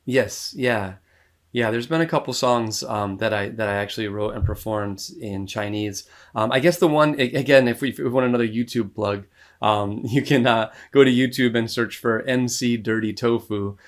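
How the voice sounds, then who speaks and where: A man in his thirties with an American accent, chatting casually as a podcast guest, relaxed and rambling, with many fillers and frequent laughs. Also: mid-range voice, normal speed. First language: English. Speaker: musician guest. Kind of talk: casual interview talk.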